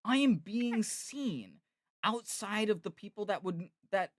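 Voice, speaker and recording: A man streamer and voice actor chatting casually, relaxed and self-mocking, into a close mic. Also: high voice, measured pace, dry recording. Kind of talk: casual chat.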